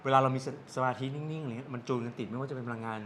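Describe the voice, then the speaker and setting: A man's voice: mid-range voice, fairly even intonation, very fast, a bit bright, a little hiss or hum. A man animatedly retelling a spooky experience in casual talk, with vivid sound effects. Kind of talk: casual storytelling.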